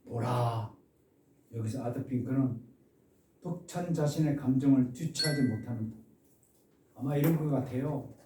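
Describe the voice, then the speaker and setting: A man preaching an expository sermon as a pastor. He stresses key words with loud exclamations and asks the congregation questions. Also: medium pitch, normal speed, pauses often, a little hiss or hum. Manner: asks the congregation questions and has them repeat phrases. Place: church sanctuary. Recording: echoey church room, mic at a distance.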